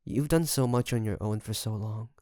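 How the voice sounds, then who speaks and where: A man playing an obsessive, doting kidnapper best friend in an intimate audio roleplay, creaky, coaxing and teasing with soft menace. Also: fairly low pitch, dry recording, clean studio sound, natural voice. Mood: doting, controlling. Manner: softly menacing, coaxing, teasing, with drawn-out phrases.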